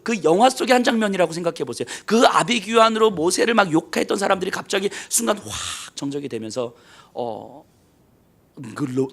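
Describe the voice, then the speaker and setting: A man preaching a sermon as pastor, telling the story dramatically and acting out the voices of people in it, swinging between loud bursts and hushed near-whispers. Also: fairly high pitch, vocal fry. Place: church sanctuary.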